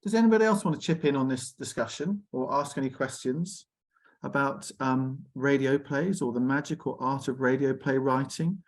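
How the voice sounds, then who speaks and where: A man's voice: mid-range voice, normal speed. A man informally hosting an online discussion, putting chatty, rambling questions to the others over a video call. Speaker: discussion host. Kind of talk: informal online panel moderation.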